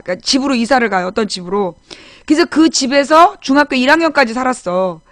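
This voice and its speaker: A woman's voice: high voice, a bit bright, no room sound, studio quality. A woman in her forties hosting a live political chat show, recalling her childhood in a rambling, chatty way with frequent restarts. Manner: chatty storytelling with frequent restarts, reads viewer names aloud. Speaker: political talk show host. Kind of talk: casual live-stream chat.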